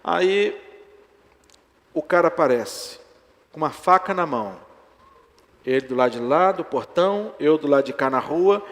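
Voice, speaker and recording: A man preaching from the pulpit with a slightly high voice and an animated storytelling manner. He slips into the voices of the people in his story. The sound carries the long ring of a church hall. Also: a little slow, long pauses. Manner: animated, acts out dialogue in his stories. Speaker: pastor. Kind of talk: sermon with storytelling. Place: church sanctuary.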